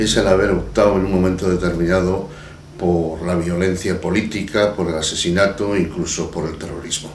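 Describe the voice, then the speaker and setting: With noticeable background noise and audible room echo, a man with a very deep, low voice speaks at a moderate pace with fairly even intonation. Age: 70s. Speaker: former militant. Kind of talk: testimony. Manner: halting; formal.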